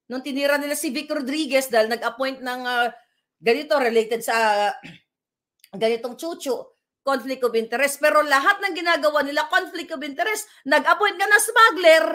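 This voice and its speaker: A woman's voice: high-pitched, normal speed, pushed and bright. A woman, vlogging from home in a combative, scornful political rant that mixes in English.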